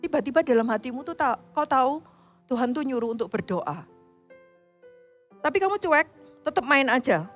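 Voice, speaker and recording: High-voiced woman preaching to children. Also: normal speed, long pauses, faint music behind. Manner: animated storytelling, acts out quotes. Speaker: children's church teacher. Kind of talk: sermon to children. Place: church.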